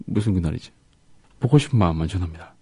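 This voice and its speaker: A man co-hosting a radio show, chatting casually and reading listener comments in a halting, soft-spoken way with gaps between his words. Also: deep voice, animated, husky, dry recording.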